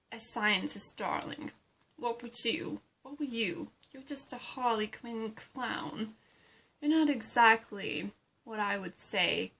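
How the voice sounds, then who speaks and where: A woman playing a haughty, seductive plant villainess with a breathy voice and a condescending, theatrical drawl in an amateur roleplay. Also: mid-range voice, sharp tone, exaggerated voice.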